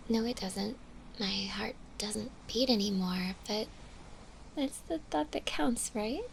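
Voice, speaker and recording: A woman voicing a shy, gentle undead zombie girl in an ASMR roleplay, speaking softly and breathily in a hesitant, bashful way, often in a whisper. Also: mid-range voice, gravelly, a little hiss or hum. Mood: insecure, musing. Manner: hesitant, bashful, halting with small giggles.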